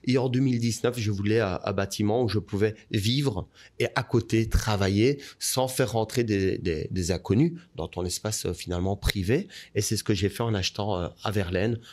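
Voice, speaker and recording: A man, a guest telling a personal story in an interview, his voice rising as the story builds. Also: moderate pace. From Belgium. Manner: animated storyteller, rising pitch as the story heats up.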